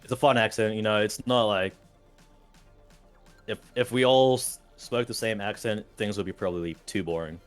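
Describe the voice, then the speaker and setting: A man with an Australian accent giving play-by-play and analysis of a fighting game, steady and analytical, lifting with excitement on big moments. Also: on the low side, moderate pace, soft background music. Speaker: esports caster.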